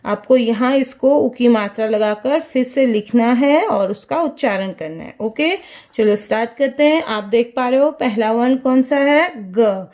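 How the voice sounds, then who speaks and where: Slow, high-voiced woman teaching young children. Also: a little mellow. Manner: slow, repeats questions and answers for small children. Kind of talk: children's lesson.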